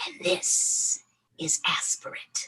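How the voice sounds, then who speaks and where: A female-sounding, put-on character voice whispers in a breathy way. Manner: demonstrating a voice placement.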